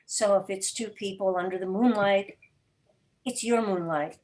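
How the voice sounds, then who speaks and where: A woman's voice: mid-range voice, unhurried, darkish tone. Thoughtful, articulate woman in interview. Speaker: guest, radio drama podcast producer. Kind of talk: explanatory interview talk.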